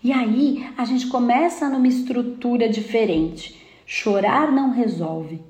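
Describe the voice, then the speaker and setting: Brazilian woman, emphatic spiritual speaker, slightly high voice, roomy echo. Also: a little slow, darkish tone. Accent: Brazilian Portuguese. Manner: emphatic, frequent "né?" and "tá?" checks, mimics complainers. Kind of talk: spiritual self-help talk.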